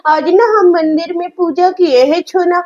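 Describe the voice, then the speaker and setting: A woman's voice: extremely high pitch, unhurried, a little mellow, dull audio. A woman putting on a whiny, babyish young woman vlogger who coos and pouts. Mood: pouty complaint. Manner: cooing, pouty, repeats a pet name.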